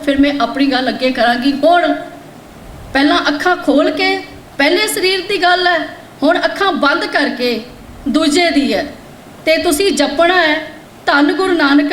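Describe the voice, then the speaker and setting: A woman with a very high voice lectures a hall full of students. She fires questions at them and pushes them to answer louder. The sound is echoey, with a faint room hum. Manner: quizzes the audience and urges them to answer louder. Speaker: guest speaker addressing students. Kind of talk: lecture with call-and-response. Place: large hall at a religious college.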